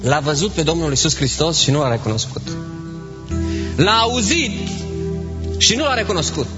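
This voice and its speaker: A man preaches with fervor, his somewhat high voice swinging between hushed phrases and loud, emphatic repeats. The sound is dull and lo-fi, with a long church reverb and music running clearly underneath. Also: big pitch swings. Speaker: pastor. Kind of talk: sermon.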